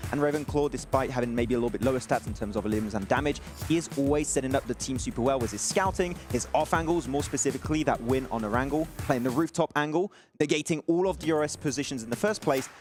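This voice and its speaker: Male caster, rapid enthusiastic breakdowns, faint music bed. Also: on the high side, expressive. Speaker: esports caster. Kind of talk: casual esports analysis.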